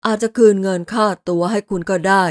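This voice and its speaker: A woman voicing a wary man who tries to sound friendly, speaking slowly and guardedly in a lowered voice. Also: steady tone, a little mellow, no echo, studio quality, close to an everyday voice. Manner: slow, low, guarded. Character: wary middle-aged man, forcing a friendly tone.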